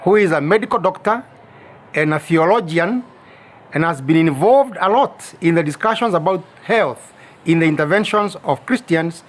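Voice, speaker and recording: A man presenting a health feature in a formal, earnest, encouraging way. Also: a little high.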